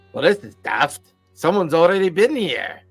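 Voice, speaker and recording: A put-on character voice speaks at a middle pitch and a moderate pace. Faint music plays in the background. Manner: gruff, puzzled.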